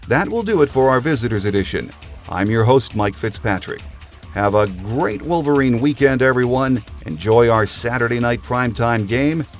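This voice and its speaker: A man hosting a sports podcast, reading game notes and promos. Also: mid-range voice. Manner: steady announcer delivery, reading notes and promos. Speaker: podcast host.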